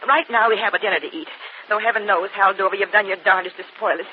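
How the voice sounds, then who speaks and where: An actress playing a weary middle-aged former vaudeville singer who scolds and frets, in 1940s radio acting. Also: female voice, medium pitch, fast, natural voice. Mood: fretful. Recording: dull old radio recording with faint hiss.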